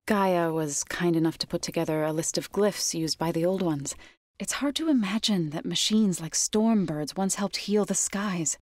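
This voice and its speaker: A woman playing a gentle, resolute tribal warrior in a video game, speaking in a measured, solemn, softly sincere way. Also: lowish voice, dry recording, clean studio sound, close to an everyday voice. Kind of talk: scripted game character dialogue. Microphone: close studio microphone.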